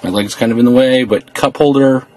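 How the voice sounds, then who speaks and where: A man in a casual how-to video, talking in a relaxed, explanatory way while he works with his hands inside a car. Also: mid-range voice, fairly quick, slight background noise. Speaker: car interior DIY reviewer.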